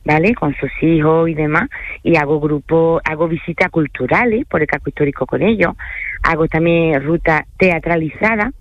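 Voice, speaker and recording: A French tour guide speaks casually in a radio interview, her low-sitting voice at a moderate pace. She is chatty, often checking in with her listener mid-sentence with "okay?" and filler hesitations, and the audio has no echo but cuts off the highs.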